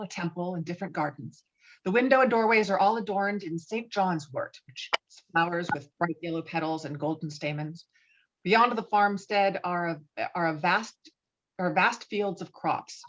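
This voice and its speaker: A woman reading stage directions as narrator of a screenplay table read, on slightly muffled online call audio. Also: lowish voice.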